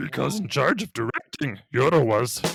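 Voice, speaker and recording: A man's raspy, put-on character voice at medium pitch, playful in tone and moderate in pace, with music in the background. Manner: inverted-syntax playful imitation.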